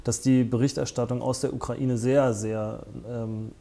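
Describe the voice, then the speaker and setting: A man's voice: medium pitch, flat delivery, unhurried, gravelly, mellow, a little hiss or hum. A man in his forties from northern Germany, a guest speaking in a studio interview, hesitant with many fillers and restarts, on a lapel mic. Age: 40s. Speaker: interview guest, festival founder. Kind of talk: conversational interview. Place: small studio set with armchairs.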